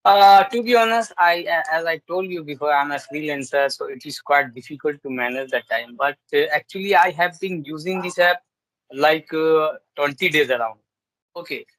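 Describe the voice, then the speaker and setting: Here an English learner, an Indian-accented man with Urdu as his first language, chats hesitantly on a video call, restarting often and using many fillers. His slightly high voice is fairly bright and moves at normal speed. The recording is low quality but free of room sound.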